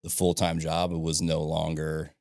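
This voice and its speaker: Gravelly deep-voiced man in his thirties. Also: a little slow, no room sound, clean studio sound. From southern Illinois, USA. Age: 30s. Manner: relaxed and chatty, laughs often, leans on "you know what I mean". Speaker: podcast guest, ironworker and business owner. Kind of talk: casual conversation. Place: podcast studio.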